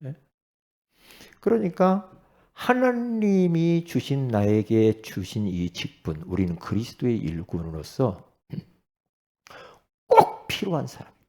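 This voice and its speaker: Very animated yet slow, with frequent pauses, a middle-aged male pastor of medium pitch delivers a conversational sermon. He shifts from loud outbursts to quiet asides and keeps seeking the congregation's assent.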